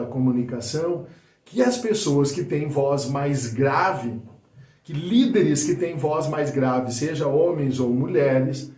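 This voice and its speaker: A man gives a spoken lesson on public speaking, shifting his loudness, speed and pitch on purpose to demonstrate. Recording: roomy echo.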